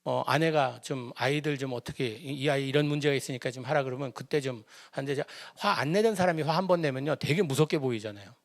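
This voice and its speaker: A middle-aged male pastor telling a family story in a sermon, animated and humorous, acting out the voices of the people in it. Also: mid-range voice, fast, gravelly, few pauses, no room sound, clean studio sound. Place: church prayer service.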